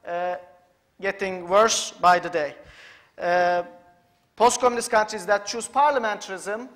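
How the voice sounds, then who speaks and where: A man with as his gives a measured, halting conference lecture in a hall, with frequent fillers. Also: high voice, a bit bright. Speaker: academic lecturer.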